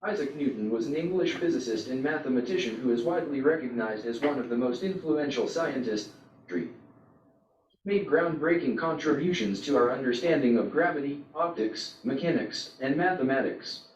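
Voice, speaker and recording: Synthetic man voicing a robot chatbot, flat, polite, far from mic, echoey. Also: medium pitch, a little fast, close to an everyday voice. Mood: calm. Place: hall at a club meetup. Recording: roomy, distant, dull with faint noise.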